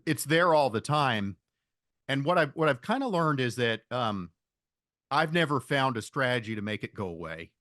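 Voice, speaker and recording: A man with a mid-pitched voice answers as an interview guest. He sounds reflective and conversational, feeling his way haltingly through each thought. The sound is dry, with little room echo. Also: animated, a bit bright. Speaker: podcast guest, investor.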